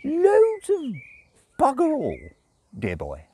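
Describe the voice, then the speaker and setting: A man voicing a prim, flustered, tipsy male angel in a storybook reading, halting and politely old-fashioned. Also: very high-pitched, wildly swooping pitch, warm tone, dry recording, pitched above the performer's own voice, exaggerated voice. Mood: tipsy, doubtful. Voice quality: croaky when strained. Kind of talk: dramatised book reading. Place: outdoors in a garden.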